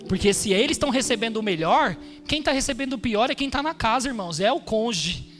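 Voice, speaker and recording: A pastor preaching a sermon in a church, emphatic, calling on the congregation with frequent amens. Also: male voice, extremely high pitch, expressive, quick pace, fairly bright tone, faint music behind. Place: church hall during a service.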